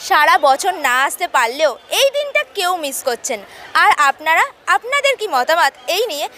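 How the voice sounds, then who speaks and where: A young woman with a Bengali accent, hosting a lively vox pop street interview with a handheld mic outdoors. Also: extremely high pitch, moderate pace. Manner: lively, chatty presenter. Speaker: street reporter and host. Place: crowded churchyard lawn outdoors. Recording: outdoor crowd in the background.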